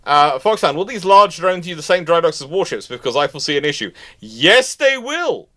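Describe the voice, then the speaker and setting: A man's voice: a little high, sing-song, brisk, sharp tone. A British man hosting a live question-and-answer stream, giving informal, discursive and opinionated expert commentary with repeated points. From United Kingdom.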